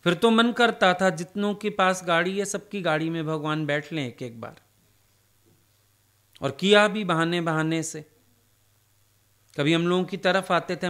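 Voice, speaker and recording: High-voiced man telling devotional stories. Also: fairly bright tone, smooth. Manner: conversational storytelling, acting out quoted dialogue. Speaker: satsang speaker. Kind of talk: devotional talk told as personal stories.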